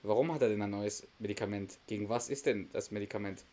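A man's voice: on the low side, fast, dark tone. A man hosting a podcast, casually retelling a sitcom episode, often laughing and acting out the characters' lines. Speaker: podcast host.

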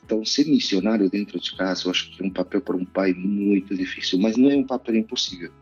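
A man's voice: low voice, fast, breathy edge, dull audio, soft background music. A middle-aged Argentine man and pastor speaking Portuguese with a Spanish accent, talking earnestly and reflectively with hesitant "eh"s. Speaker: pastor and missionary. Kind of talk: casual podcast interview.

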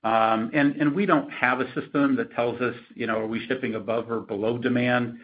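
A man speaking as a company executive answering analysts on an earnings call, in a halting, measured way. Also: mid-range voice, fairly even intonation, slightly rough. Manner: halting, hedged, measured delivery. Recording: muffled, lo-fi conference call audio.

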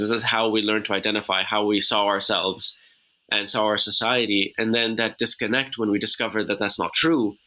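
Male writer from Lebanon, bright, forceful tone, thoughtful and searching. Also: fairly low pitch, rough recording. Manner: reflective, searching for words. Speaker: podcast guest, writer. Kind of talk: casual conversation.

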